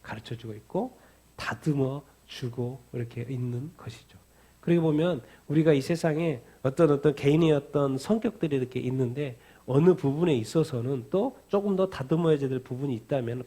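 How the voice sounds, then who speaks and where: A male pastor delivering a sermon, lively and conversational, firing off rhetorical questions and acting out the disciples' anger. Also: medium pitch, normal speed, breathy edge.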